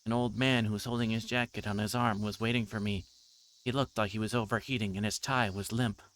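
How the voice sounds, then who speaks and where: A man's voice: lowish voice, steady tone, brisk, a bit bright, a little hiss or hum. A man on a livestream reading a visual novel aloud and adding casual commentary. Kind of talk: livestream game read-along with casual commentary.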